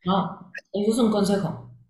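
A woman's voice: medium pitch, moderate pace, mellow, reverberant. A woman teaching a coaching class, asking questions and listing points in repeated phrases. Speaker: coaching instructor.

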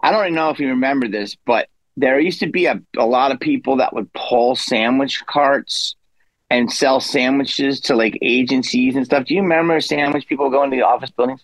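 A man's voice: mid-range voice, brisk, dry recording, rough recording. Rambling storyteller, man in his fifties. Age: 50s. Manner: rambling with self-deprecating asides and laughs. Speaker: guest comedian. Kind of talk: casual interview storytelling.

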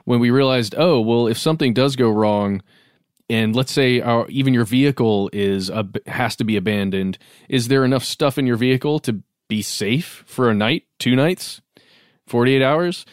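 A man's voice: medium pitch, moderate pace, clear, resonant tone, no echo, clean studio sound. A man chatting casually as the host of a podcast. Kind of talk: casual chat.

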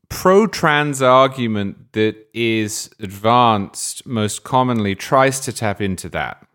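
A man on a podcast panel, making a measured, deliberate political argument. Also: on the low side, fairly bright tone. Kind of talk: political discussion.

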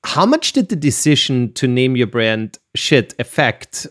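A man hosting a podcast interview, enthusiastic and quick to laugh. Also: mid-range voice, very animated, a bit bright. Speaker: podcast host.

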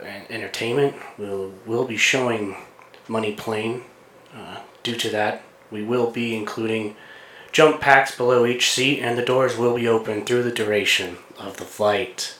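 A podcast host putting on a male airline captain making a halting intercom announcement full of pauses and fillers. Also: fairly low pitch, steady tone, a bit bright, echoey room, a little hiss or hum, pitched below the performer's own voice. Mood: deadpan.

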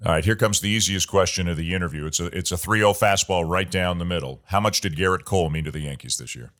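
Man, radio host, very deep voice, measured, conversational. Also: a bit bright. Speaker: sports talk show host. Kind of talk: interviewing a guest.

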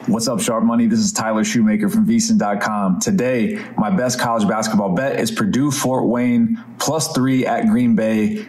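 A man, a betting analyst, giving his pick in a brisk, plain way. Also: on the low side, steady tone, darkish tone. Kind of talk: recorded pick segment. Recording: echoey room.

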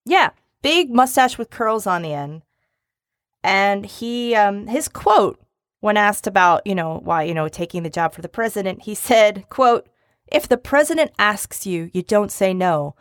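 A woman co-hosting a casual comedy chat, jokey and animated, slipping into silly voices. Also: medium pitch, a little slow, dry recording, clean studio sound. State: recovering from a lost voice. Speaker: podcast co-host. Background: dog barking.

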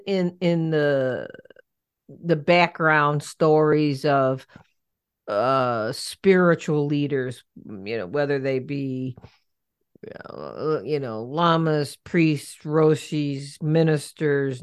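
Low-voiced woman host, stammery and animated, dry sound. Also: clean tone, no echo. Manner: animated, halting, many restarts and stammers. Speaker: podcast host. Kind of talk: casual conversation.

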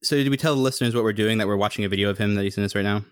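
A young man co-hosting a podcast, rambling casually with a slightly monotone, humming voice. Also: racing, no echo, clean studio sound. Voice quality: somewhat monotone, humming low resonance. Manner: rambling, thinks aloud with many fillers. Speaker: podcast co-host. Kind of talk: casual chat.

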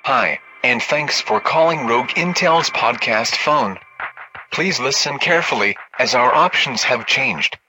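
A man's voice: mid-range voice, a little slow, close to an everyday voice, rough recording. A man doing a polite phone menu voice. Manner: even, polite prompt reading.

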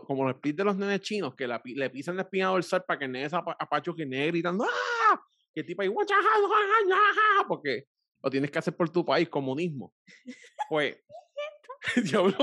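A man with a Puerto Rican accent in casual chat, telling crude, animated stories full of swearing. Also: a little high, a little fast, no echo, clean studio sound.

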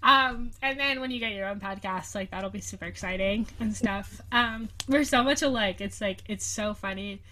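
A woman's voice: mid-range voice, moderate pace, hardly any pauses, sharp tone. Bubbly young woman podcast host. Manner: giggly, bubbly, lots of fillers. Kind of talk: casual chat. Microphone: video call recording.

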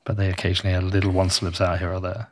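A man with a low, deep voice hosting a podcast. He chats casually and bluntly, laid-back and swearing freely. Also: level tone, rapid-fire. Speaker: podcast host. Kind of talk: casual chat.

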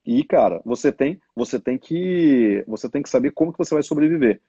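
Husky man talking business trends. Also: medium pitch, lively intonation, fairly quick, dark tone, dry recording, highs cut off. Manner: colloquial, emphatic, acts out others' thoughts. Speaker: business educator. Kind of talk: casual business talk.

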